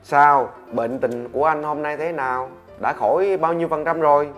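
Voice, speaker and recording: A man voicing a stern male doctor who scolds a patient in brisk, exasperated bursts. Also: a little high, soft background music, lightly acted.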